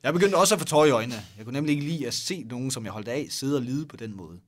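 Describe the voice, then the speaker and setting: A man's voice: mid-range voice, lively intonation. A man reading a story aloud in a mock-dramatic way, joking and laughing with a co-host. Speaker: podcast co-host reading fan fiction aloud. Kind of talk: comic read-aloud with banter.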